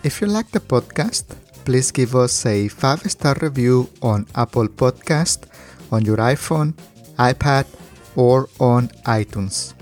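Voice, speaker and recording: A man hosting a podcast, explaining things to language teachers in a measured monologue with careful, chunked phrasing. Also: medium pitch, expressive, soft background music. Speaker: podcast host and language educator.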